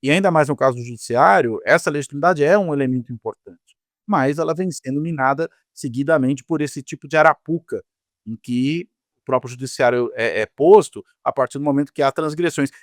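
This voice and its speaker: A man with a Brazilian Portuguese accent giving measured, analytical political commentary, often tagging his points with quick questions. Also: fairly high pitch, no room sound, clean studio sound. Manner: measured, lecturing, frequent tag questions. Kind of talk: analytical panel discussion.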